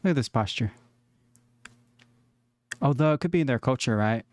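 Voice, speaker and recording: A man's voice: medium pitch, lively intonation, moderate pace, a little mellow, dry recording. A man streaming, chatting casually and joking with his viewers as he reacts to videos.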